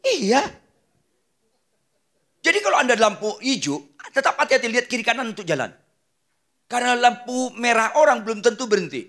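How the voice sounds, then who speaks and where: A man's voice: very high voice, sing-song, brisk, long pauses, a bit bright. A male pastor preaching a sermon in a joking, teasing way, firing questions at the congregation. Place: church.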